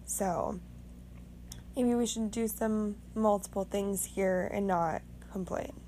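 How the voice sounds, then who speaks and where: A young woman with a raspy voice, just woken up, rambling frankly and swearing casually as the host of her own podcast. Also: mid-range voice, takes it slowly, mellow, slight background noise. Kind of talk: casual monologue.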